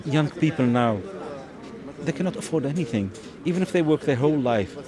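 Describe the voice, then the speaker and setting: Sixties man from Tunisia, earnest and halting English, crowded street behind him. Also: fairly high pitch, lively intonation. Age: 60s. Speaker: interviewee. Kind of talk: field interview. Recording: outdoor field recording with crowd noise.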